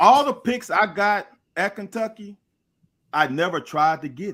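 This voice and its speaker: Lively intonation marks a man's bright, sharp tone at a fairly slow pace. The recording is very clean, with a silent background. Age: 40s. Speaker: podcast host, former college football player. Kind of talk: casual sports chat. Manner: animated.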